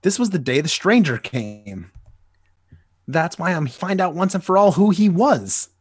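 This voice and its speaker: Wistful adult hero, husky, lively up-and-down delivery, dry close mic, read by a man. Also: high-pitched, a little slow, no room sound, heavily acted. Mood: earnest. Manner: wistful, earnest inner monologue. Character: nostalgic grown-up superhero, adult man. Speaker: podcast co-host. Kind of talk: amateur comic dramatic reading.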